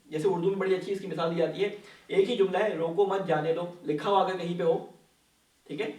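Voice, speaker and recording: Recorded from afar in an echoing mosque hall, a man with a high, steady, somewhat dark voice teaches the Quran. He explains patiently, putting questions to his listeners and answering them.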